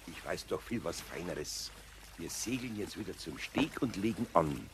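Creaky, lively older Bavarian craftsman. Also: low voice, normal speed, a little hiss or hum. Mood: patient, scheming. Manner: homely, admonishing. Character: good-natured, sly older master craftsman. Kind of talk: children's radio play acting.

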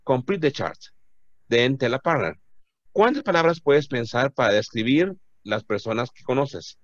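Male English teacher drilling beginner students, animated delivery, patient repetition, dull dry audio. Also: mid-range voice, no echo. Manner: patient, repeats words slowly for pronunciation. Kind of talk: classroom teaching, mixing Spanish and English. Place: classroom.

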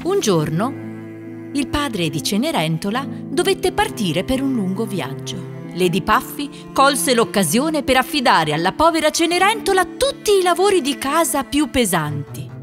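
A woman narrating a children's fairy tale from a script in an expressive storytelling manner. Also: high voice, a little slow, music in the background.

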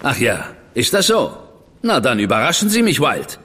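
An actor playing a stern, impatient official in a German radio drama, curt and disapproving. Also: male voice, mid-range voice, huge pitch swings, moderate pace, fairly bright tone, slightly rough, in a large hall, exaggerated voice.

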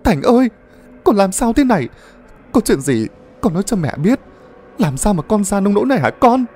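A man's voice: medium pitch, sing-song, a little fast, a little mellow. A man doing a frantic grieving mother. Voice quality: tearful, scolding.

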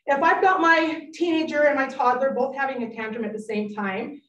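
A middle-aged woman presents a live workshop to parents, animated and chatty. Her voice sits fairly high. It is picked up by a distant mic in an echoey meeting room. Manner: animated, acts out quoted friends.

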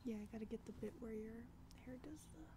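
A young woman playing a subtly condescending art student in a hushed ASMR roleplay, half-whispering with hesitant pauses and hums. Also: a little high, background noise, pitched below the performer's own voice, close to an everyday voice. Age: young adult. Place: small dim room at home, indoors.

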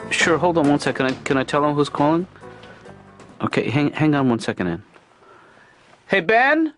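A man voicing a mild, hesitant middle-aged father in a cartoon, stammering in a gentle deadpan. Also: a little high, quick pace, music in the background, close to an everyday voice. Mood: dry. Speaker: father and therapist.

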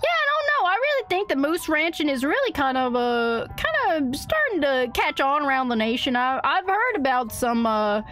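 A woman's voice: high-pitched, big pitch swings, moderate pace, hardly any pauses, fairly bright tone, faint music behind. A woman streaming a game in a goofy, put-on country drawl, exclaiming and giggling as she plays. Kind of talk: in-character let's play commentary.

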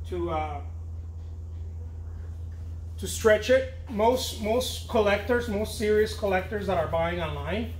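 A man with a fairly high voice chats loosely while he works, circling back and repeating himself as he hunts for words. The sound is roomy, bouncing around a big studio, with a faint hum of ambience beneath. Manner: rambling, repeats and restarts phrases. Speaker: painter. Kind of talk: casual talk to camera while painting. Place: large studio with an open big door. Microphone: camera at a distance.

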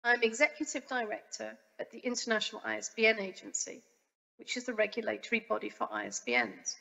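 Croaky woman giving a recorded talk. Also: fairly high pitch, expressive, pushed and bright, in a large hall, poor audio. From United Kingdom. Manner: formal and measured. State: croaky, getting over a cold. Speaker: guest speaker. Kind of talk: pre-recorded conference presentation. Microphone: webcam video recording.

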